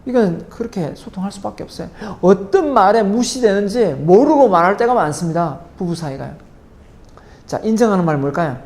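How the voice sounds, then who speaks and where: A woman's voice: medium pitch, brisk. A woman lecturing in a parenting course, who keeps asking her listeners rhetorical questions and acts out what spouses say to each other. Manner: keeps checking in with the audience through rhetorical questions; acts out spouses' lines in lively quoted dialogue.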